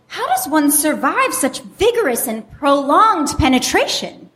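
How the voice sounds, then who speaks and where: Woman acting a high, swooping prim housewife. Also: big pitch swings, a little slow, a bit bright, full character voice. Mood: alarmed, gossipy. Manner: breathless, mock-proper, theatrical. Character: prim, excitable, innuendo-prone housewife, in old radio melodrama. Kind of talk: live comic radio play acting. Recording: noisy live theater stage recording.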